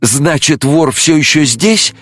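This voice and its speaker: A man's voice: fairly high pitch, slow, fairly bright tone, no echo, faint music behind, voice pushed up. A man voicing a panicky middle-aged jeweler who pleads and wails near tears. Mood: anxious.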